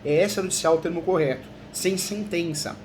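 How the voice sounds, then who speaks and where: Man, Brazilian accent, law professor, conversational lesson, frequent tag questions, fairly high voice, faint background noise. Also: a little fast, darkish tone. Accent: Brazilian Portuguese. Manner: chatty, peppers talk with tag questions.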